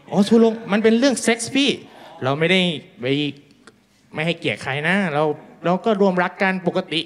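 A man's voice: sits high, fairly bright tone. A man telling a crude, self-mocking stand-up story, acting out the dialogue. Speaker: stand-up comedian. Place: small live venue with audience.

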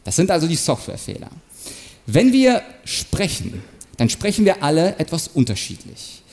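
A man giving an animated, explanatory talk on manipulation and rhetoric, sometimes acting out short example quotes. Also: fairly high pitch, moderate pace. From Ukraine. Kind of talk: stage talk to an audience.

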